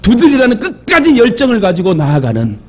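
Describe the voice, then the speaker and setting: A man's voice: very high voice, wildly swooping pitch, fairly quick. A male pastor with a Jeolla Korean accent, preaching a sermon with joking asides and calls for amens. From Jeolla region of Korea. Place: church sanctuary.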